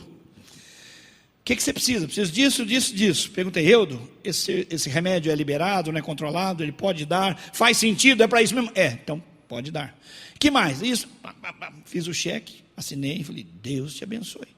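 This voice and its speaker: A man preaching a sermon as pastor, telling stories in an animated way and acting out the people he quotes. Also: a little high, a little fast, slightly rough. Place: church sanctuary. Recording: long church reverb.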